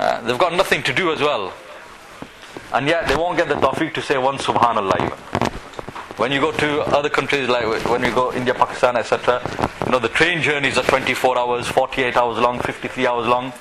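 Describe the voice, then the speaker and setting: A man with a medium pitch and ordinary pitch variation talks at a fairly quick pace. Audible room echo and noticeable background noise surround him. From northern England, Bolton. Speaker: Islamic preacher. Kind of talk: sermon. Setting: religious gathering with audience.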